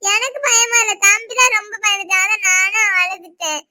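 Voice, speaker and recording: A woman voicing a scared little child pleading with parents, slowly and tearfully, with a Tirunelveli Tamil accent, in an animated cartoon. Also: extremely high pitch, no echo, studio quality, heavily acted. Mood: timid.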